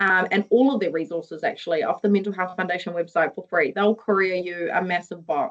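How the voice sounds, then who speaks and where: A woman speaks in a New Zealand accent at a fairly quick pace. She has hardly any pauses and fairly even intonation. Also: medium pitch for a woman. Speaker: webinar presenter. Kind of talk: online webinar presentation. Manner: fast.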